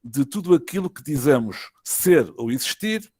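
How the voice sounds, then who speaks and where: A man with a European Portuguese accent reads an academic lecture in a formal, measured way, phrase by phrase, with some hesitations. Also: fairly high pitch, very animated, a little mellow, husky, no room sound, studio quality. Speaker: university professor, conference lecturer. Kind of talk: academic lecture read from a prepared text. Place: online web conference.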